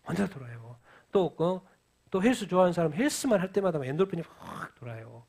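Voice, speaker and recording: A man preaching a sermon as pastor, who asks the congregation questions and answers them himself, and acts out quoted lines in a loud heated voice. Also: high-pitched, very animated, quick pace, vocal fry.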